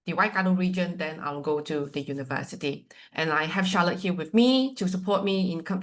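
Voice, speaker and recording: A woman from Malaysia with a Malaysian accent, giving a chatty, playful webinar presentation over a video call. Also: on the low side. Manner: chatty, lively, with a light playful tone. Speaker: university representative presenting to agents.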